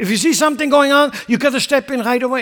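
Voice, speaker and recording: A man with a Swiss accent talks at a very fast pace. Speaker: preacher. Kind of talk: sermon. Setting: church.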